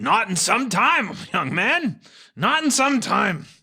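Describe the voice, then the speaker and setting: Putting on a character voice, a man speaks raspy and high at a fairly slow pace, with very wide pitch swings and very even loudness. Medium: actual play. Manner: slow, rambling.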